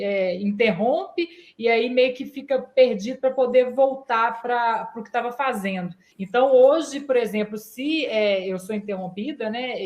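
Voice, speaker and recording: A Brazilian woman in casual conversation, talking in a relaxed way with frequent fillers. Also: on the high side. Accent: Brazilian Portuguese. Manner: relaxed, uses fillers like "né" and "tipo".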